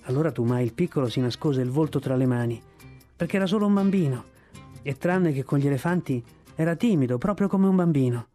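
A man reading a novel aloud in steady, measured narration. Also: on the high side, faint music behind. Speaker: reader.

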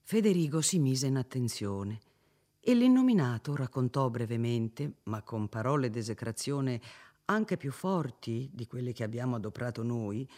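A man narrating an audiobook of a classic novel in a measured, expressive reading. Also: medium pitch.

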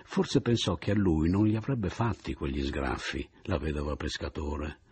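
A man reading a novel aloud as an audiobook, lively and expressive, giving the characters' lines their own turns. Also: a bass voice, normal speed, slightly rough. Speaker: narrator.

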